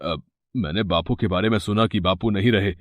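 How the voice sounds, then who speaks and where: A man's voice: lowish voice, moderate pace, dry recording, studio quality, close to an everyday voice. A man voicing a greedy, scheming elder brother in a cartoon story, wheedling and putting on fake tears. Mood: fawning. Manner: wheedling, fake-weeping, then panicked. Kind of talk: cartoon voice acting.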